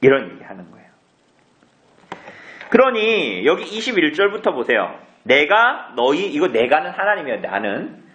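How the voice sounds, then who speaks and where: A man's voice: on the high side, sing-song, normal speed, fairly bright tone, highs cut off. A male pastor preaching an evening sermon, asking the congregation questions and answering them himself. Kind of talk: evening service sermon, Bible exposition. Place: church sanctuary. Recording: roomy church echo.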